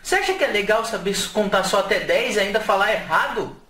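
A man's voice: sits high, fast, pushed and bright. A man from Brazil teaching English numbers in a casual, jokey video lesson. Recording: echoey room, mic at a distance, faint hiss.

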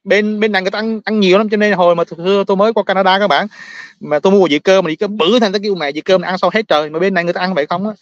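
Southern vietnamese guy ranting fast to his viewers, blunt, laughs a lot, kinda dull dry mic. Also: sits high, fairly even intonation, no echo. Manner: blunt, ranting, laughs often, repeats words. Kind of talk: casual monologue to viewers.

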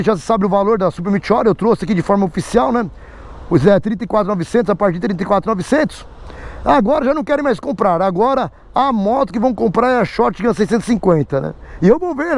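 Brazilian guy vlogging outside in the rain, chatty, lots of "né", kinda high voice. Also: vocal fry, a little mellow. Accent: Brazilian Portuguese. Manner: chatty, repeats "né?" and "pessoal". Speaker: motorcycle vlogger. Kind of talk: casual vlog talk to viewers. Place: outdoors in light rain.

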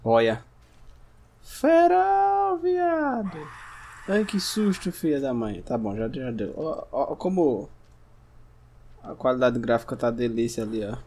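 A man from Brazil giving casual gameplay commentary, chatting to himself and his viewers, sometimes breaking into sudden shouts. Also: medium pitch, lively intonation, normal speed, breathy edge. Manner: chatty, talks to himself and the audience, bursts into shouts at scares. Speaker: gameplay streamer.

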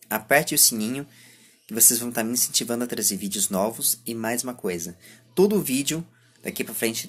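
A man in his twenties with a Brazilian accent and a husky voice, speaking a reflective monologue to camera as a vlogger, halting between short phrases. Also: mid-range voice, fairly bright tone. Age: 20s. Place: small indoor room lined with bookshelves. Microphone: phone or camera at arm's length.

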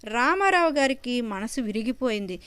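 A woman's voice: on the high side, expressive, moderate pace, fairly bright tone, clear, resonant tone, dry recording. Woman narrating a family story. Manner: earnest, emotive narration.

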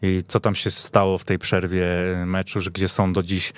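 A man's voice: low voice, little pitch movement, moderate pace, fairly bright tone, dry recording. A man chatting casually and emphatically about football as a guest on a studio show. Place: radio studio.

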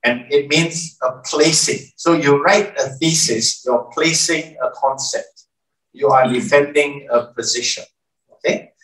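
An older man preaches a teaching sermon from the stage of a large church hall, often checking in with the congregation by asking questions. His mid-range voice is fairly bright and fairly even, at a measured pace. A distant camera picks him up at the lectern, giving an echoey sound.

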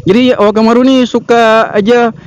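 A man's voice: extremely high pitch, little pitch movement, moderate pace. A young man, joking and rambling playfully while riding a motorcycle outdoors. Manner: joking, playful, self-mocking. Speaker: motovlogger. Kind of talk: rambling comic motovlog chat. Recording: muffled helmet mic with wind noise.

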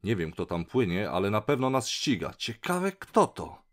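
A man doing a fretful high-voiced duck. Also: sing-song, moderate pace. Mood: anxious.

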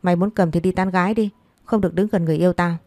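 A woman voicing a cheeky, pushy young man in his twenties who needles everyone in quick banter in a storybook. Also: on the low side, fairly even intonation, darkish tone, no room sound, close to an everyday voice. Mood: teasing. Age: 20s.

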